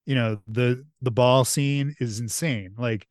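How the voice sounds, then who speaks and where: A man's voice: medium pitch, measured pace, no echo, clean studio sound. A man hosting a podcast, chatting casually and eagerly, rambling through his points with enthusiasm. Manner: enthusiastic, rambling, animated retelling. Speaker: podcast host. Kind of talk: casual chat.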